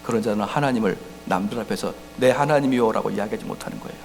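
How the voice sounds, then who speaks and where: A man preaching a sermon as pastor. He is emphatic, swings between loud outbursts and quiet asides, and acts out quoted voices. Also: fairly low pitch, quick pace, creaky, slight background noise. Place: church sanctuary. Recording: church hall reverb.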